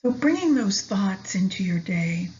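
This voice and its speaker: A woman leading a guided meditation in a soft, soothing manner with long pauses between phrases. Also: mid-range voice, big pitch swings. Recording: slightly dull lo-fi recording.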